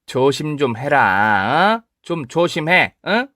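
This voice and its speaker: A man's voice: a little high, very animated, takes it slowly, bright, forceful tone, no echo, studio quality, pitched above the performer's own voice, heavily acted. A man voicing a two-faced older mother-in-law who wheedles and sighs in a dialect-tinged drawl. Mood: scolding.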